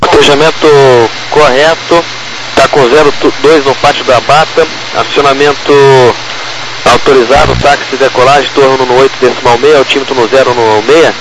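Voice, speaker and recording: A man's voice: mid-range voice, fairly even intonation, normal speed. A man with a Brazilian accent giving clipped ground control instructions over a crackly two-way radio. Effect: crackly two-way aviation radio. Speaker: airport ground controller giving taxi clearances. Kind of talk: clipped aviation radio phraseology. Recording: crackly, noisy air traffic radio.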